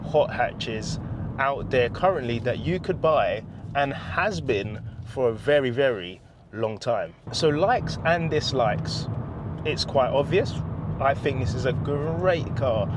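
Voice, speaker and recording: A man's voice: mid-range voice, expressive, slow. A middle-aged man reviewing a car as he drives, chatty and enthusiastic, with a joking, self-mocking manner. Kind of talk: casual driving review. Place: inside a car while driving in the wet. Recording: road and rain noise from the car.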